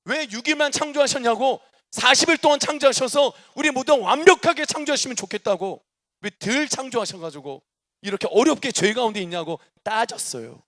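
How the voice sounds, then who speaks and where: Guy preaching in a church, high ringing voice, swings from loud to soft asides. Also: a little fast. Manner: animated testimony, shifting between loud declarations and soft asides. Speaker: guest preacher. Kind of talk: sermon. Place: church sanctuary.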